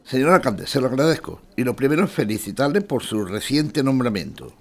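A man's voice: medium pitch, lively intonation, brisk, vocal fry, faint music behind. A man playing a formal, firm trade guild spokesman in a radio drama.

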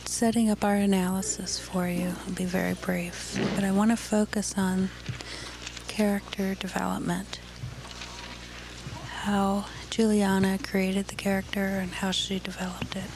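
Woman academic presenter; flat, matter-of-fact delivery over audible background noise. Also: mid-range voice, measured pace, creaky. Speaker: conference presenter.

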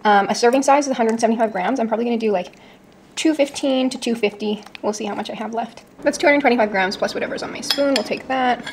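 A woman's voice: on the high side, quick pace, noisy background. A woman fitness vlogger chatting casually at home, explaining what she makes as she goes. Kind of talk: casual vlog chat. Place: home kitchen.

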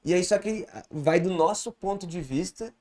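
A man, a podcast guest talking casually, slangy and rambling, with many fillers and restarts, on a close studio boom mic. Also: normal speed, a crowd in the background. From Santa Catarina, Brazil. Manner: gestures a lot with his hands. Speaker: podcast guest, comedian and producer. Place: small podcast studio with bookshelf.

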